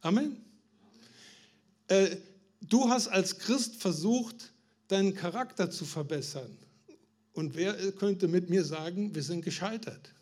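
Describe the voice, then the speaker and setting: A man's voice: high voice, takes it slowly, long pauses, a little mellow. A man preaching a sermon to a congregation, asking them questions and building emphasis, with frequent restarts. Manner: restarts and stumbles on words.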